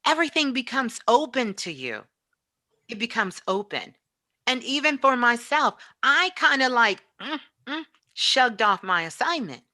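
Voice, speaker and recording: A woman's voice: a little high, big pitch swings, unhurried, pushed and bright. A woman giving an impassioned spiritual talk as a guest teacher, emphatic and repetitive like a preacher.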